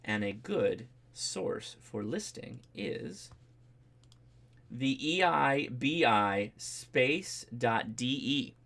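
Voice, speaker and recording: Very slow and expressive, this man's voice is medium-pitched, gravelly and fairly bright. He hosts a ham radio livestream as a casual live demonstration, chatting informally and explaining each hands-on step. He checks in with "right?" and "okay?"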